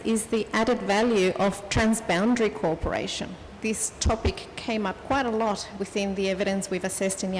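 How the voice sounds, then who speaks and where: A woman's voice: mid-range voice, in a large hall, slight background noise, poor audio. Courteous woman moderating a panel. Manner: courteous, thanks speakers and poses questions.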